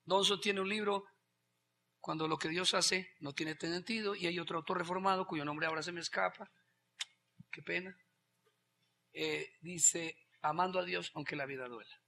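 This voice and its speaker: A man pastor, preaching a sermon with animated bursts of shouting and quiet asides. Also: high-pitched, normal speed, creaky, a little hiss or hum.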